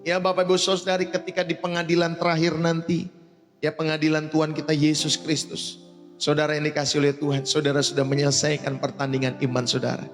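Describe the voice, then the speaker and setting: A man's voice: fairly high pitch, completely flat delivery, fast. A male pastor preaching a sermon in a blunt, colloquial way, often calling out to the congregation. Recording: long reverb with faint music behind.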